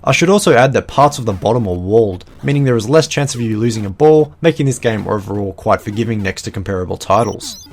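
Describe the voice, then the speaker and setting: A man's voice: lowish voice, lively intonation, fast talker. A man narrating a scripted retro video game review, with wry, self-deprecating jokes between points.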